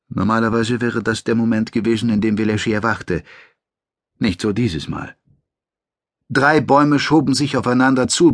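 A man reading a science-fiction audiobook in a measured, dramatic narrating voice. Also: lowish voice, no room sound, studio quality. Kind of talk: scripted narration.

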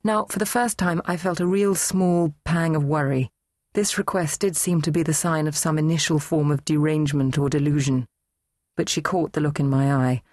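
A woman reading a novel aloud in first person, measured and composed. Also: deep voice, steady tone, a little mellow, dry recording. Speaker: audiobook narrator. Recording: dry, close studio read.

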